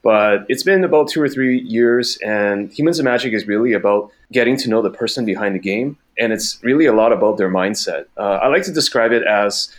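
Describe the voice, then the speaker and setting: Here is a man in his thirties who grew up in Taiwan, guesting on a podcast. His voice sits a little low, and he talks things through thoughtfully, often restarting a phrase. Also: brisk, few pauses. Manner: thoughtful, many small restarts. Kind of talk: casual interview chat.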